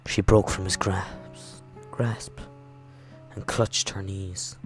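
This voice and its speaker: A man's voice: low voice, level tone, takes it slowly. A man hosting a gaming video, reading visual novel narration aloud and reacting casually. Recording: music behind the voice.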